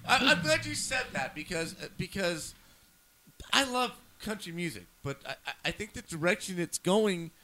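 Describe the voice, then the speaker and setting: A man's voice: sits high, expressive, moderate pace, pushed and bright. A man hosting a casual interview, affirming his guest often and stammering with repeated words. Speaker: interview host.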